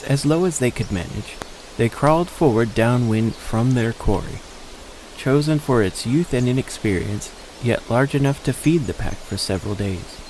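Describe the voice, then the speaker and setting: Give me a male narrator with a medium pitch reading dramatic fiction, light outdoor noise in the background. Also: darkish tone, rough recording. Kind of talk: scripted dramatic story narration.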